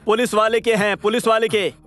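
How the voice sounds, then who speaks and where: An actor playing a sarcastic, confident police officer in a Hindi film dub. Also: male voice, high-pitched, little pitch movement, a little fast, fairly bright tone, no echo, faint music behind. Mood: mocking. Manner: mocking and confident. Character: cocky sarcastic male police officer, young adult.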